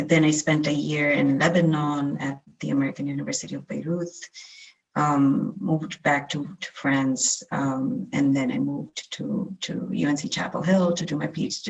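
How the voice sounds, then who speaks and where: A woman's voice: low voice, gravelly, muffled recording. A young woman from India giving a webinar lecture over a video call, talking conversationally with many fillers and restarts. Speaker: guest lecturer.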